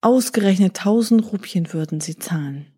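A woman voicing a greedy, short-tempered male bird hunter in a storybook reading, gruff and scornful. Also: mid-range voice, expressive, moderate pace, warm tone. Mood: angry.

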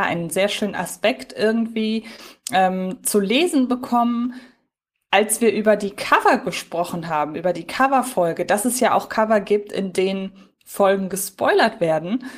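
A woman hosting a podcast, casually discussing audio dramas in conversation. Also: mid-range voice. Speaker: podcast host.

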